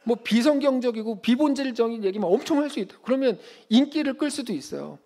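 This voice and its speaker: A man in his thirties preaching a sermon as a pastor, in an animated, conversational way that acts out quotes. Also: very high-pitched, quick pace.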